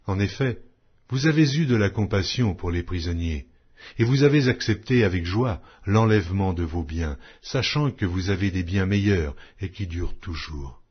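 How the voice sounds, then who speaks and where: A man reading scripture aloud as a formal audiobook narration, in a solemn, measured, declamatory way. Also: low voice, expressive, husky, dull audio.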